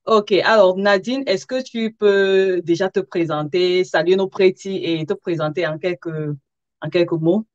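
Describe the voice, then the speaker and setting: A woman's voice: on the low side, measured pace, darkish tone, no echo. A woman hosting a live interview show, chatting informally with viewers and sounding a little tired. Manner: informal, chuckles between phrases, addresses viewers directly. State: somewhat tired. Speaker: live interview host, sewing content creator. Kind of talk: casual livestream chat with viewers. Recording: dull, lo-fi livestream audio.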